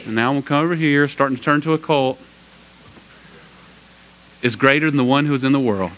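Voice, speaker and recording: A man preaching a sermon to his congregation, swinging from emphatic peaks to hushed asides. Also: medium pitch, brisk, rough recording. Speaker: pastor. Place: church sanctuary.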